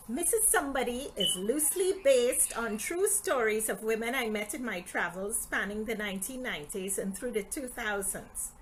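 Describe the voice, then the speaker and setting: Middle-aged author from Trinidad and Tobago. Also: female voice, medium pitch, a little hiss or hum, rough recording. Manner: friendly, chatty, reads aloud from her book. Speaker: author hosting a live stream. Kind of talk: casual live-stream talk and reading.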